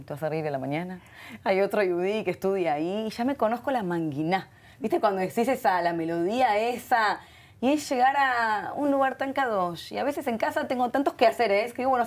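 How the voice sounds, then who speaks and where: A middle-aged woman with an Argentine accent speaks as an interview guest. She tells her stories in an expressive, heartfelt way, often repeating words. Her pitch sits in an ordinary middle range. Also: brisk. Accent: Argentine Spanish. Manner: warm and expressive, many repeated words and Hebrew terms.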